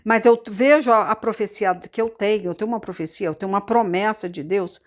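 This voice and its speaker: With a mid-range voice and brisk delivery, a woman missionary preacher from Rio de Janeiro gives an informal sermon mixed with personal testimony in a Carioca Brazilian Portuguese accent. She is conversational, repeats words, and often turns to the congregation with asides.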